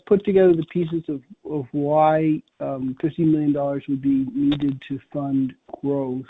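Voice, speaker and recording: A man's voice: on the high side, slightly rough. A man, an analyst, asking rambling, stumbling questions on an earnings conference call. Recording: tinny phone line.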